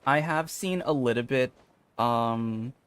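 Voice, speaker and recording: A man's voice: mid-range voice, slow, a bit bright, smooth, no echo. A man live streaming a video game, chatting casually and rambling as he thinks aloud. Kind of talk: casual gaming stream chat.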